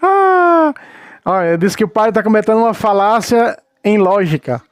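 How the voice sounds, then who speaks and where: High-voiced scornful Brazilian man. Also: smooth, dry recording, studio quality. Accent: Brazilian Portuguese. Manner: scornful, exclaiming, laughing asides. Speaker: commentator dubbing a debate. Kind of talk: mocking reaction commentary.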